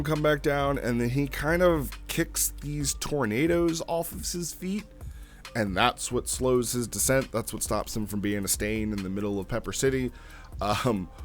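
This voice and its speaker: A man giving casual, unscripted commentary as a review host, talking in a rambling, animated way. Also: medium pitch. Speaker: host reviewing a text role-play log.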